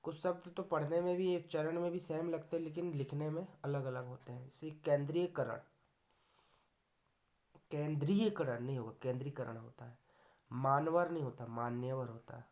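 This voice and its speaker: A man's voice: a little high, little pitch movement, brisk, few pauses, warm tone. A man teaching a grammar lecture for exam students, going through correct and wrong spellings word by word.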